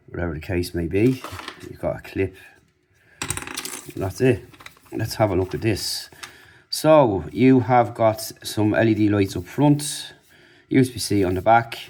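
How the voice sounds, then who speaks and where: A man's voice: on the low side, darkish tone, slight background noise. A man giving a casual, off-the-cuff product review, informally talking through what he is showing. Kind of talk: casual unboxing and review commentary.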